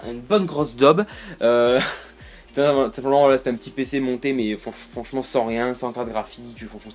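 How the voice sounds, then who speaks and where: A young man talks his way around his bedroom in a loose, rambling room-tour vlog, full of fillers, restarts and offhand jokes. He speaks at a mid pitch, picked up by a camera standing on a tripod in the room. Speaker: YouTuber.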